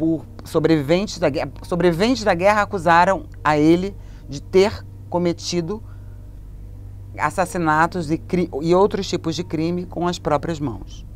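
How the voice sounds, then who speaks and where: A woman speaks in a Rio de Janeiro accent with a fairly low pitch. Her pace is fairly slow and her pitch varies in an ordinary way. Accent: carioca. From Rio de Janeiro, Brazil. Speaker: journalist and author. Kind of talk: interview. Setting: studio. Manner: halting.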